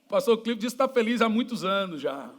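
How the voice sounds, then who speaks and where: A Brazilian man preaching a sermon in church, his voice sitting unusually high. He tells jokey stories and acts out the people in them. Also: expressive, fairly quick, a bit bright. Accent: Brazilian Portuguese. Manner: storytelling, jokey, acts out quoted dialogue. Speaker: pastor.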